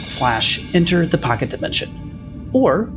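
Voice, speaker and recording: A man's voice: fairly high pitch, very animated, a little slow. Male announcer over prominent music. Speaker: credits announcer. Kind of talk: scripted announcement.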